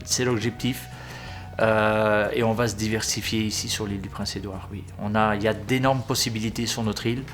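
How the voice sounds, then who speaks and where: Forties male business owner, low voice, earnest and halting, soft music underneath. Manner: earnest, hesitant with frequent pauses. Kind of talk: testimonial interview.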